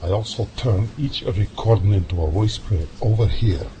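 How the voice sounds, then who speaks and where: A man's voice: fairly low pitch, moderate pace, dull audio, background noise, natural voice. A man playing a folksy, seasoned Scottish sound analyst who explains patiently, with a Scottish accent, in an amateur radio drama. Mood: genial.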